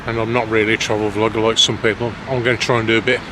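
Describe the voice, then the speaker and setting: A man's voice: lowish voice, level tone, racing. A man with a Black Country accent chatting casually and a little self-consciously in a rambling vlog. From West Midlands, England. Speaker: amateur vlogger, lorry driver. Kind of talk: casual vlog chat to camera. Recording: clear road and vehicle noise.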